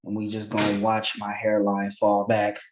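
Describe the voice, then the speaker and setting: A man's voice: on the low side, monotone, moderate pace, a little hiss or hum. Laid back guy hosting a live chat, trips over his words a lot, roomy echo, little clicks in the back. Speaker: podcast host. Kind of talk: casual livestream chat. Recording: echoey room with faint clicks.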